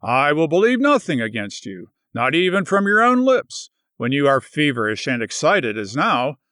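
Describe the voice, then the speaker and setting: A gentle, steady young husband, voiced by a male reader, calm and reassuring, his voice smooth and rather high for a man, recorded close and dry. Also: moderate pace, dry recording. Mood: soothing.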